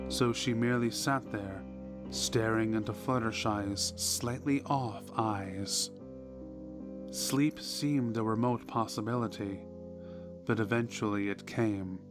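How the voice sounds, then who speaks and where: Slow-paced man narrating a horror story. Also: fairly low pitch, fairly even intonation. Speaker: storyteller reading horror fan fiction. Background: background music.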